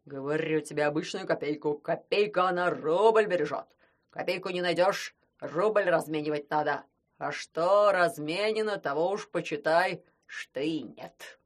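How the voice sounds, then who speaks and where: A man's voice: a little high, unhurried, a bit bright. A man voicing a greedy, cowardly immortal sorcerer who grumbles and threatens. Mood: grumbling. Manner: grumbling, menacing.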